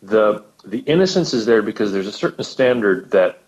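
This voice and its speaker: A man's voice: on the low side, animated, moderate pace, darkish tone, muffled recording. A man chatting on a podcast as guest co-host, talking with eager enthusiasm and often repeating words as he goes. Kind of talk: casual podcast conversation.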